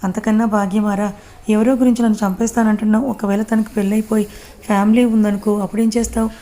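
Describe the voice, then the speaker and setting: Proud obsessive young woman, read by a woman, insistent, flat even delivery, dark mellow tone. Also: mid-range voice, fast talker, natural voice. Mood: pleading.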